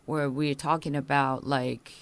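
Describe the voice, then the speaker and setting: A woman in her thirties who speaks English with Korean as her first language, talking as a punk musician guest in a casual interview, halting, with many fillers and restarts. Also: very deep voice, level tone, no room sound.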